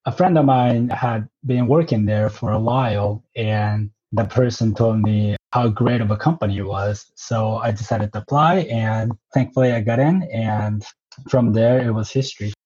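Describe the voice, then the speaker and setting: A man in his thirties, born in Japan and raised in southern California, relaxed and casual as an interview guest, often pausing with "uh". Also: fairly low pitch, husky, muffled recording. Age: 30s. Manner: relaxed, pauses with uh, tempo speeds and slows. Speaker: guest, brewery representative.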